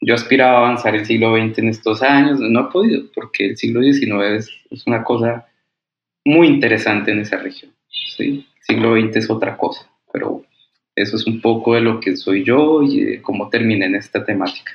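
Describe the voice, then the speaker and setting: A man, a historian and author, giving reflective interview answers with many fillers and restarts, often checking in with a quick question. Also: on the low side, roomy sound, dull audio.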